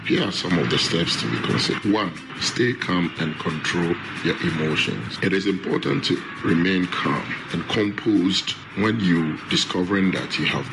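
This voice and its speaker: Deep, gravelly man reading advice. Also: background noise. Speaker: fraud investigation official. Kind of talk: scripted advisory statement.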